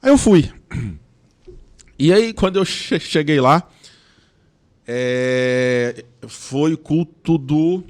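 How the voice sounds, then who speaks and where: A man's voice: fairly high pitch, animated, extremely slow, long pauses, darkish tone. A man guest on a podcast, telling personal stories casually with a stutter, repeating sounds and words, often laughing as he talks. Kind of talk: casual storytelling.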